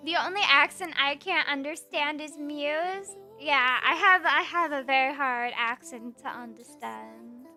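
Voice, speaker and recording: A woman's voice: high-pitched, unhurried, few pauses. A woman streamer chatting casually and playfully, rambling as she reads out her chat and teases viewers. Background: soft background music.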